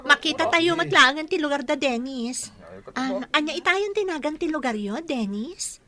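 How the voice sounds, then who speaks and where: An actress playing a curious guest at a wedding gathering in a radio drama. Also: female voice, high voice, expressive, normal speed, sharp tone. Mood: chatty. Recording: crowd chatter behind.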